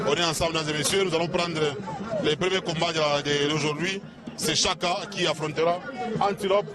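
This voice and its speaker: A man announcing the card at an outdoor wrestling show and thanking the crew, with a few hesitant fillers. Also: fairly high pitch. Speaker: ring announcer. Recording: loud crowd noise. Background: loud cheering crowd.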